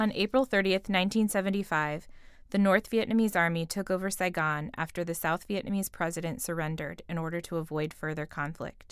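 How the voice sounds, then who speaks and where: In a very clean recording with a silent background, a woman with a normal speaking voice talks at a moderate pace and medium pitch with ordinary pitch variation. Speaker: podcast host. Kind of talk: interview intro and questions.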